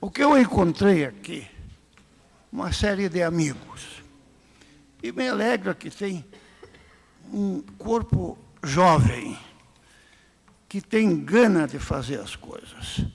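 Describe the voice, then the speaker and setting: A man's high voice with very wide pitch swings and big jumps in loudness, a very slow pace, and long, frequent pauses. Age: 80s+. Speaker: doctor. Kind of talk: speech to city council.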